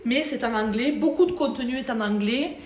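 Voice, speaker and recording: A woman's voice: on the high side, roomy sound, slight background noise. A woman from France, a hairdresser, chatting casually and animatedly as an interview guest. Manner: chatty, animated, quick to laugh.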